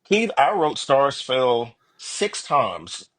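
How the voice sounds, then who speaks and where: A man's voice: mid-range voice, big pitch swings, very slow, a bit bright. A man speaking as an author guest in a casual interview, telling stories earnestly and self-deprecatingly and voicing his own thoughts. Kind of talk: casual, animated interview chat.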